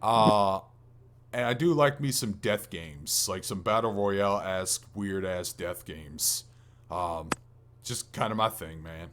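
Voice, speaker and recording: A man's voice: low voice, slow, fairly bright tone, a little hiss or hum. A man hosting a gaming podcast, talking in an informal, rambling way with casual swearing. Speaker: podcast host.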